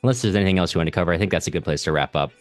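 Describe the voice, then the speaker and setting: A man's voice: sits low, rapid-fire, no room sound, soft background music. A man co-hosting a casual literary discussion, talking in an earnest, analytical way. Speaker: podcast co-host discussing literature.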